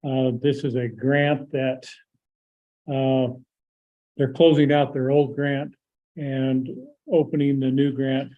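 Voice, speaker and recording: A hoarse man chairing a county board meeting, explaining an agenda item haltingly with many filler pauses. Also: medium pitch, level tone. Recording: tinny phone-like audio.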